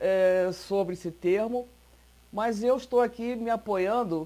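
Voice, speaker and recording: A woman speaks in a Rio de Janeiro accent with a dark, mellow tone. Her pace is fairly slow and her pitch variation ordinary. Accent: Rio de Janeiro (carioca) accent, kept. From Rio de Janeiro, Brazil. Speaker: panel moderator. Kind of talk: panel moderation.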